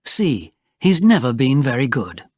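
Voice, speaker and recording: A man reading listening-test instructions slowly and deliberately, every word clearly spoken. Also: medium pitch, sing-song, background noise. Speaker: exam narrator.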